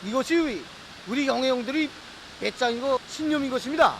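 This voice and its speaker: A man's voice: very high voice, fairly quick, slight background noise, rough recording. A man with a North Korean accent speaking assertively and rousingly in a workplace interview. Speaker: steelworks interviewee.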